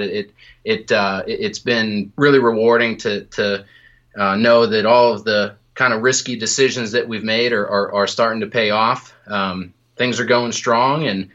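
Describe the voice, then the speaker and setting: A man's voice: lowish voice, fairly even intonation, bright, forceful tone. A man on a phone call as a podcast guest, chatting casually and often repeating words as he looks for his phrasing. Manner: halting, repeats words while searching for phrasing. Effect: over the phone. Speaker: podcast guest, small business owner. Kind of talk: casual interview chat. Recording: dull lo-fi phone line.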